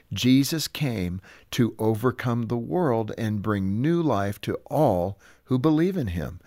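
A man's voice: on the low side, no echo, studio quality. A man hosting a devotional radio program, speaking and reading scripture in an earnest, encouraging way. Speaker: radio show host.

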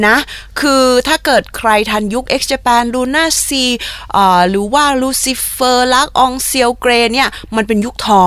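A young woman hosting a casual explainer podcast. She talks in a chatty, playful way, repeats soft polite particles and drops in Japanese words. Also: on the high side, no echo. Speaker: podcast host.

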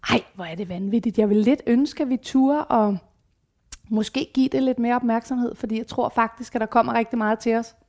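Woman, 40s, slightly high voice, frank and animated storyteller in casual conversation. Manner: animated, candid, swears casually, acts out quoted voices. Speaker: guest. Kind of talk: casual chat, personal storytelling.

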